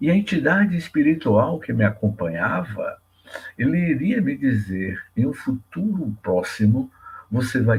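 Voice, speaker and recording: Very slowly and with vocal fry, a man at a medium pitch lets his voice swing very widely in pitch. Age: 60s. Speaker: spiritist lecturer. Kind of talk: spiritual lecture.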